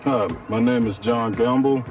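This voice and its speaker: A man's voice: mid-range voice, steady tone, unhurried. A male strongman competitor introduces himself in plain, matter-of-fact tones. He sounds distant from the microphone, and music plays behind him outdoors. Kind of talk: short self-introduction.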